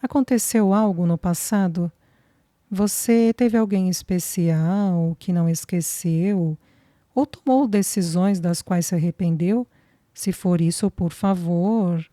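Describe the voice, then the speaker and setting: A woman reading a gentle man in love. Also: fairly low pitch, slow pace, no room sound, studio quality. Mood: reassuring. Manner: soft, earnest, reassuring. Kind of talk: audiobook dialogue reading.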